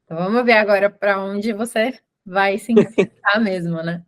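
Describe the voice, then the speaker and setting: A woman's voice: mid-range voice, moderate pace. A woman hosting a casual interview, enthusiastic and exclamatory in her reactions. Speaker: interview host.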